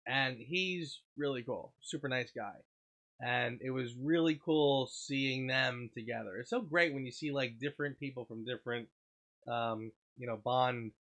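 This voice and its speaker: A man hosting a casual livestream, stuffed up and sniffling, clearing his throat often and rambling as he answers viewer chat. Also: mid-range voice, a bit bright. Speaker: livestream host.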